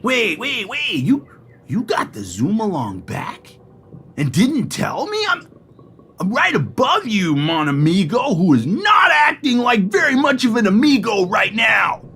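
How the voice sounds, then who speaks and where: An actor playing a chummy man calling in from the wasteland, who gets loud when he feels wronged. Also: sits high, wildly swooping pitch, a little slow, a little hiss or hum, heavily acted. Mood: indignant. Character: friendly, excitable wasteland man, caller.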